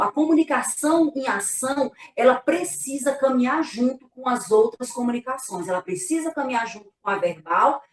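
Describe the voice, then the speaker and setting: A woman's voice: high voice, distant mic. A woman, a pastor, explaining earnestly in a casual church live talk, often ending phrases with a tag question. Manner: earnest, explanatory, frequent "né?" tags. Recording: echoey room, voice from afar.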